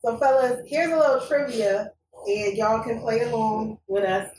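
A woman's voice: fairly high pitch, normal speed, darkish tone. A woman co-hosting a casual wine podcast, running a playful quiz and laughing often, recorded around a table. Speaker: podcast co-host. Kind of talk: casual chat over wine. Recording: roomy, distant mic, faint noise.

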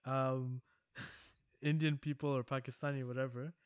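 A man's voice: mid-range voice, level tone, unhurried, smooth, dry recording, clean studio sound. A man co-hosting a podcast, telling stories in casual chat, laughing often and swearing as he rambles. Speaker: podcast co-host.

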